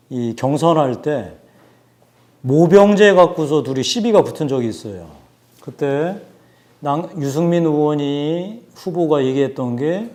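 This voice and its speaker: A man in his forties giving a book talk, explaining numbers in a measured way with frequent hesitations. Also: mid-range voice, mellow. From South Korea. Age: 40s. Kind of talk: lecture-style talk with statistics.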